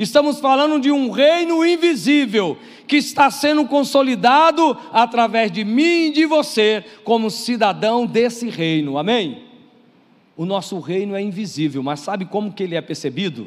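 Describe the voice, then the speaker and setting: Speaking at a moderate pace with a Brazilian accent, a man uses an extremely high pitch, very wide pitch swings and an animated tone. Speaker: pastor. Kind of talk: sermon.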